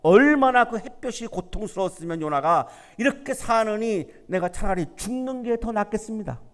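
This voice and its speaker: A man's voice: high-pitched, expressive, moderate pace, a bit bright. A man preaching a sermon as pastor, talking conversationally and asking rhetorical questions. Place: university church sanctuary. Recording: church hall reverb.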